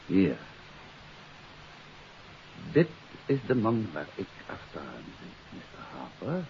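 An actor playing a self-assured, commanding detective in a 1950s radio drama. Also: male voice, on the low side, huge pitch swings, slow, gravelly, full character voice. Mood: brisk, commanding. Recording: muffled hissy 1950s radio recording.

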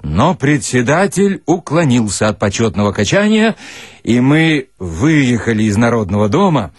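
A man giving a dramatic, expressive literary reading, with theatrical and deliberate phrasing. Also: medium pitch, no echo, studio quality. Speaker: actor reading short stories.

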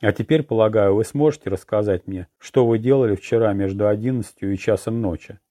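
A man voicing a stern, blunt middle-aged police commissar who speaks gruffly and sarcastically in an audiobook. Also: fairly low pitch, brisk, warm tone, no echo, natural voice.

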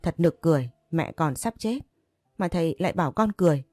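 A woman's voice: low-pitched, animated, fairly quick, darkish tone, dry recording, soft background music. A woman voicing a hysterical grieving adult daughter who rants accusations and sobs pleas, in a storybook reading. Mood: bitter.

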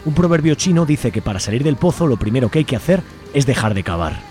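A man's voice: mid-range voice, sing-song, fast talker, darkish tone. A man with an accent from Spain reading a scripted editorial as a radio presenter. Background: music under the voice.

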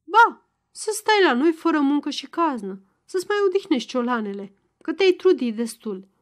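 A woman's voice: sits high, very animated, voice pushed up. A woman voicing an ambitious young peasant son-in-law who speaks in a tense, pleading way. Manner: tense and pleading, then threatening.

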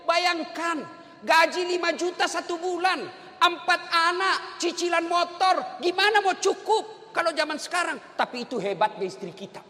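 A man with a very high, bright and forceful voice gives a humorous sermon. He jokes and keeps asking his listeners rhetorical questions. His voice rings out with a long hall reverb. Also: moderate pace. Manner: jokey, asks the audience rhetorical questions. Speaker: preacher.

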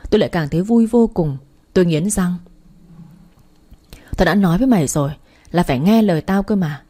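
A woman's voice: on the low side, dark tone, husky. A woman reading a dramatic first-person story as narrator.

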